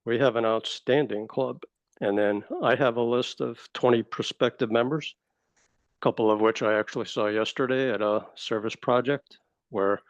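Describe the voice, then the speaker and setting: A man speaks up firmly and defiantly on a call and keeps clearing his throat. The line is dull and muffled, and the sound is dry with no room echo. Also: lowish voice. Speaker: club member. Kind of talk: recorded meeting call.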